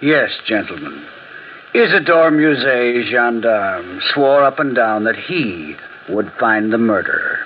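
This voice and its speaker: A man's voice: mid-range voice, sing-song, slow, dull audio, a little hiss or hum. A man playing a dry, ironic detective who narrates a radio play mystery. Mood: narrating.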